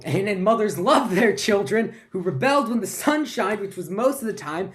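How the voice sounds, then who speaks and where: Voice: medium pitch, normal speed, darkish tone, close to an everyday voice. A performer playing a flustered, forgetful lecturer who stammers and repeats words through a comic stage monologue. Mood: excited, gathering steam.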